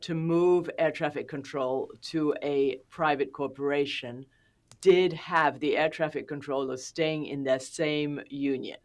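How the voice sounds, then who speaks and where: A woman's voice: deep voice, steady tone, measured pace, a little mellow. A woman speaking as a policy expert in an interview, explaining methodically with questions and plain examples.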